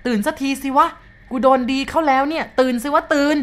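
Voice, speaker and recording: A woman voicing a terrified young male truck driver who shouts in panic, in a spoken ghost story. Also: high voice, very slow, pitched above the performer's own voice, full character voice. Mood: panicked shouting. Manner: shrieking in panic.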